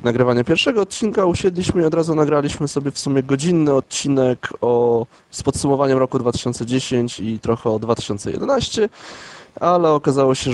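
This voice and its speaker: A man co-hosting a podcast, chatting casually and bantering, quick to correct his co-host. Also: mid-range voice, darkish tone, no room sound. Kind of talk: casual chat.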